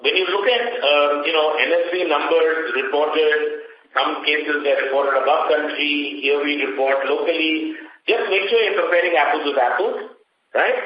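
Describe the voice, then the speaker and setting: A man's voice: on the high side, slight background noise. A man with an Indian accent speaking as a company executive, answering questions on an earnings call in an emphatic, confident way, often checking in with short tag questions. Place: conference phone call. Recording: echoey, muffled conference call audio.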